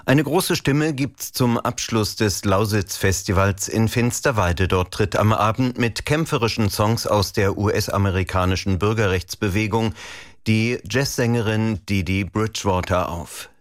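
Low-voiced male radio newsreader. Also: no room sound, clean studio sound. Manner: measured, formal. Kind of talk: radio news reading.

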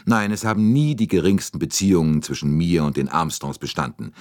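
A man's voice: low-pitched, brisk, a little mellow, natural voice. A man voicing a brash American detective who drawls and speaks bluntly.

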